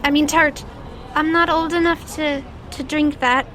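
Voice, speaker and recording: A woman voicing a small, poor, ragged boy who speaks politely and haltingly in a tabletop game. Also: sits high, steady tone, a bit bright, slight background noise, pitched above the performer's own voice. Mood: shy, hopeful.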